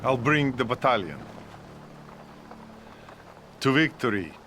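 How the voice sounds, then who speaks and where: An actor playing a Soviet army major who talks in a cool, calculating way. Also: male voice, mid-range voice, big pitch swings, takes it slowly, noisy background. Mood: cold. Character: cold ambitious Soviet major, scheming. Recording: game cutscene with loud music behind.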